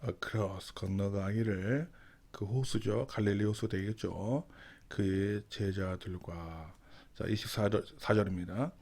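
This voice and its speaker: A man teaching English through Bible verses. He reads each verse very slowly, then explains it, repeating and rephrasing the key words. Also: on the low side, steady tone, gravelly, a little mellow.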